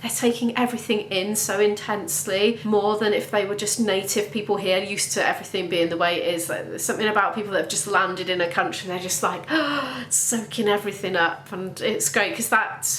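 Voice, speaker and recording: A woman's voice: medium pitch, fairly quick, few pauses, a bit bright, reverberant, a little hiss or hum. A British woman vlogging casually to a handheld camera, chatty and rambling with cheerful asides. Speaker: vlogger and musician. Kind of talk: casual vlog chat. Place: venue cafe, then at home.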